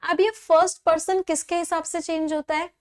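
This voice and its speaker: High-voiced woman teaching grammar. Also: little pitch movement, moderate pace. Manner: explains step by step, repeats key points, asks the class questions. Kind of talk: classroom grammar lesson.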